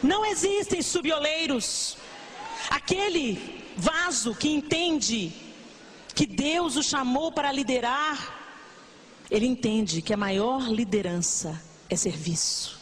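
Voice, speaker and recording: Brazilian woman preacher, sermon to a televised congregation, expressive and animated delivery. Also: fairly high pitch, slow pace, slight background noise. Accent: Brazilian Portuguese. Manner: animated, acts out complaining believers in mock voices. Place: church service broadcast on television.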